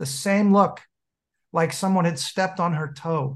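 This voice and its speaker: Fairly slow and fairly even in intonation, a man speaks at a high pitch. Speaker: meetup participant seeking advice. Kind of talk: casual personal sharing. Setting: video call.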